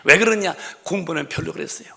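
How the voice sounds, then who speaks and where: A man's voice: fairly high pitch, quick pace, vocal fry, bright, forceful tone. A male pastor preaching a sermon in a church, telling an emotional story and breaking it up with rhetorical questions. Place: church sanctuary.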